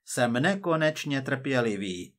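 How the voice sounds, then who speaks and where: A man voicing a cold, persistent male agent from the future, measured and quietly menacing. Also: mid-range voice, big pitch swings.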